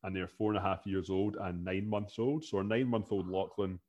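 A man's voice: deep voice, steady tone, fairly quick, darkish tone, dull audio. A Scottish man in his thirties, a podcast guest talking casually and restarting his sentences often. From Scotland. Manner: chatty, repeats words when starting sentences. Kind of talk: casual interview chat.

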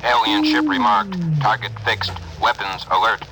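A man's voice: fairly low pitch, fairly even intonation, moderate pace, background noise, natural voice. An actor playing a terse male crew officer reporting over the intercom in a radio drama. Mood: brisk.

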